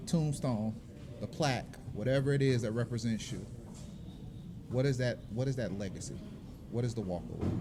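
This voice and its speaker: Someone with a Southern US accent speaks at a moderate pace in a dark, mellow, somewhat breathy tone, leaving long, frequent pauses amid audible room echo. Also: man, medium pitch for a man, ordinary pitch variation. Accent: Southern US, shows when relaxed. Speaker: podcast interviewer. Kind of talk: casual chat.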